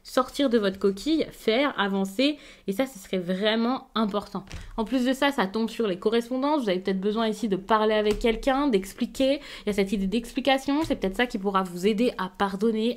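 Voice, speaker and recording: A woman giving a tarot reading to camera, gentle and reassuring, often pausing with hesitant fillers. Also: mid-range voice. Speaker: tarot card reader.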